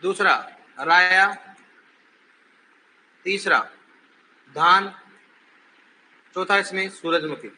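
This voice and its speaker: A male teacher gives a classroom lecture, drilling students with questions and teasing them when they stumble, and he says he's shouting as he teaches. His high voice cuts through sharply, yet he speaks extremely slowly with frequent pauses. Faint room noise sits beneath the recording.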